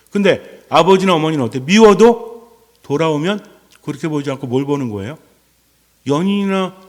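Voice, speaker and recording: Male Catholic priest, sermon; poses questions, answers them himself; slightly high voice, long hall reverb.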